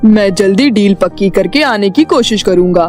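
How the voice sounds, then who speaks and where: A woman doing a gentle cartoon dad. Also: mid-range voice, animated, moderate pace, faint music behind, voice pushed down, lightly acted. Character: kind middle-aged father, loving and calm. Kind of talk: storybook cartoon voice acting.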